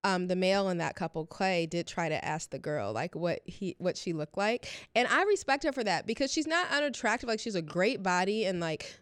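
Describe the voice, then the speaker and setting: A woman's voice: fairly low pitch, fairly quick, hardly any pauses, dry recording. Chatty woman, close dry sound. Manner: animated storyteller, often quotes people in dialogue. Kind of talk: casual chat.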